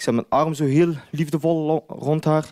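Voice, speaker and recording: Against a quiet background, a man speaks at a high pitch with a dark, mellow tone. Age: 20s. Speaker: stand-up comedian. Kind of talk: stand-up. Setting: stage with audience. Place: stage. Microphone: handheld.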